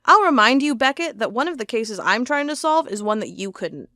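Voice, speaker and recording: A woman's voice: on the high side, big pitch swings, fairly quick, sharp tone, no echo, studio quality. A woman playing a stubborn, sarcastic investigator of cold cases in an audio drama, with a wry, defiant manner. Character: stubborn, sarcastic female cold-case investigator hunting monsters.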